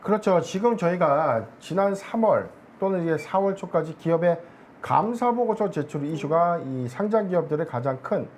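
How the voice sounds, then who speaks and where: A man speaking as an analyst guest on a stock market show, explaining in a measured way with many filler words. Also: a little high, lively intonation, a little mellow, a little hiss or hum.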